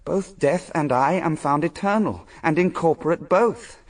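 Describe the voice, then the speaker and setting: An actor playing an anguished, self-accusing Adam in a classical verse radio drama, solemn, theatrical and brooding. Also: male voice, fairly high pitch, unhurried, distant mic. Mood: mounting despair. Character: anguished fallen Adam, first man, despairing and self-accusing.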